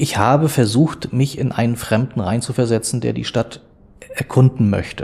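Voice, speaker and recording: With ordinary pitch variation and a moderate pace, this is an unremarkable speaking voice. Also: man, medium pitch for a man. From Rügen, northeastern Germany. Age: 40s. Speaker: city archivist. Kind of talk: interview.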